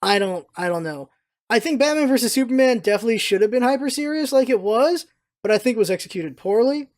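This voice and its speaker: A vlog host with a mid-pitched voice talks casually and with strong opinions about what they watch. The delivery is emphatic and exasperated, leaning into a rant. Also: lively intonation, fast talker. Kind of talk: casual opinionated movie commentary.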